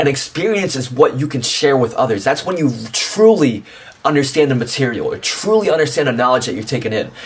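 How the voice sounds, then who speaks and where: The speaker moves at a fairly quick pace with lively intonation while noticeable background noise plays underneath. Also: man, fairly high pitch for a man. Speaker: motivational YouTuber. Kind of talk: casual motivational vlog.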